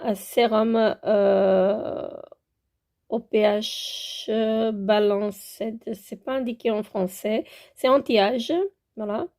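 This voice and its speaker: A woman's voice: on the high side, dark tone. A woman with a French accent showing her skincare products in a casual vlog, hesitant and full of filler sounds, moving around as she handles them. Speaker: beauty vlogger. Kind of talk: casual product show-and-tell.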